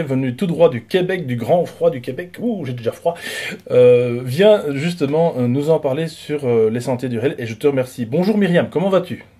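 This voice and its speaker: A man's voice: medium pitch, dark tone, husky. A man in his forties hosting a casual interview from a small home room, talking hesitantly with many fillers and restarts. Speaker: host.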